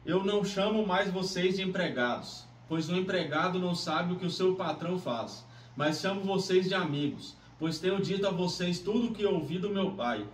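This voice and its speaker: A man's voice: high voice, moderate pace, hardly any pauses. A man with a Brazilian accent speaking earnestly as he leads a devotional Bible reading. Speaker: Christian host of a daily Bible reading channel. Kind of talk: devotional introduction, prayer and Bible reading aloud. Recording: roomy, distant mic, faint background noise.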